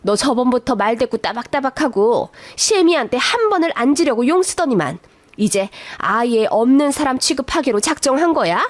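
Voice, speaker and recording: A woman's voice: high voice, very animated, moderate pace, dry recording. A woman playing a bossy, scolding mother-in-law. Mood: furious. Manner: scolding, threatening. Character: domineering middle-aged mother-in-law, bossy and quick to anger.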